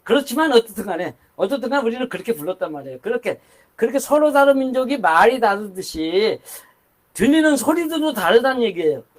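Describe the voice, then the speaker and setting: A man's voice: very high voice, big pitch swings, fast. An older man preaching a sermon in a conversational, rambling way, with asides and restarts. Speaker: pastor.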